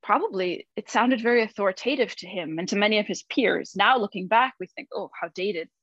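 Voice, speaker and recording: A woman speaking as a podcast guest, explaining her translation work in a thoughtful, measured conversational way. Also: medium pitch, a bit bright, dry recording. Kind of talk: conversational discussion. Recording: dull, dry lo-fi sound.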